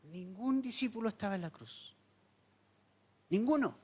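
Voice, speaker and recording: Impassioned pastor swinging loud to hushed. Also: male voice, sits high, expressive, measured pace, husky. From Chile. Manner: dramatic storytelling, wide swings from loud to hushed. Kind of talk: sermon.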